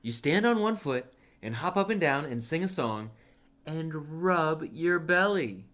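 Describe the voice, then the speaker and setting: A man's voice: on the high side, expressive, unhurried, a bit bright, pitched above the performer's own voice. A man voicing a helpful, confident animal friend in a children's story.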